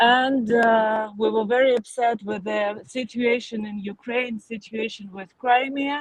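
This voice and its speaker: A woman in a Russian accent, monotone and flat, at a fairly slow pace with hardly any pauses and big swings in loudness. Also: fairly high pitch for a woman. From Russia, Moscow. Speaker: interview guest. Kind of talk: interview. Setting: video call while driving. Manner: halting.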